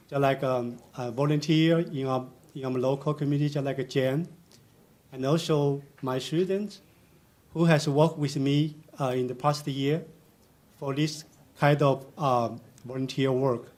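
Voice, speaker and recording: Slow, halting man giving acceptance speech. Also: medium pitch, steady tone, a little mellow. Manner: halting, searching for words.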